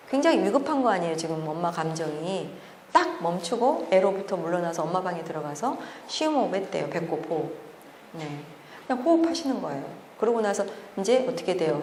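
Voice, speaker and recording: A woman's voice: lowish voice, fairly quick. Middle-aged lady lecturing parents, chatty, asks the crowd stuff, big echoey hall w faint noise. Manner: lively storytelling, asks audience questions.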